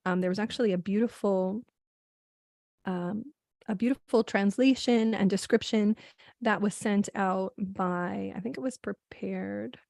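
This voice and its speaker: A woman sharing her thoughts on a video call in a casual discussion, pausing often with fillers and restarts. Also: medium pitch, fairly even intonation, gravelly, darkish tone, dry recording, clean studio sound. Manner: hesitant, with many fillers and restarts.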